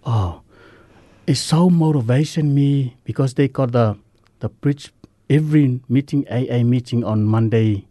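A Samoan man, whose first language is Samoan, speaking earnest, halting English as a guest in a radio interview. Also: medium pitch, dark tone, dry recording, studio quality. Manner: earnest, halting, simple non-native English. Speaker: guest sharing recovery story.

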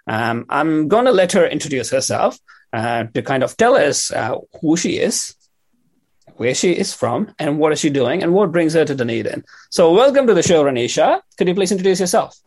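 Guy hosting community radio, kinda high voice, lots of ums. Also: very animated, moderate pace, a little mellow. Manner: friendly, rambling with many fillers. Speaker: radio host.

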